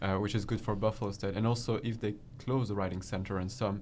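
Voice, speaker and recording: This man talks at a fairly quick pace with a non-native accent. His intonation stays fairly even, and his voice is somewhat breathy. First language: not English. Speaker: student journalist. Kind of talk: roundtable discussion. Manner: halting.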